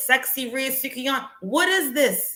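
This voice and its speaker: A woman speaks with a Baltimore accent and a high pitch. Her intonation is lively. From Baltimore, US. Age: 40s. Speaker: caller. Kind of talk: casual chat.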